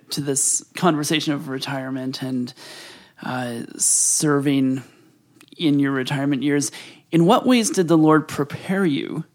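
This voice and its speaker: A host asking interview questions in a friendly, halting way with small restarts. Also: mid-range voice.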